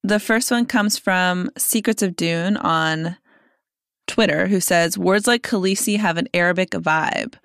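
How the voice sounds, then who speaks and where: A woman's voice: fairly low pitch, measured pace, creaky, fairly bright tone, no echo, studio quality. A woman interviewer reading out a listener's question and murmuring along as she listens.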